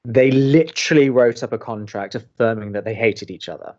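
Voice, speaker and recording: A man's voice: medium pitch, fairly quick, darkish tone, muffled recording, natural voice. A man playing a sardonic, protective young college radio co-host in an audio drama, with a dry, sarcastic manner. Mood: amused, dry.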